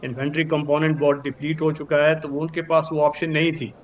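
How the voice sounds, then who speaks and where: An older man with a Pakistani accent gives formal, measured news analysis as a guest expert, dropping in English terms. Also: a little high, flat delivery, lo-fi sound. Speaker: retired brigadier, news analyst. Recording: clearly noisy with background ambience.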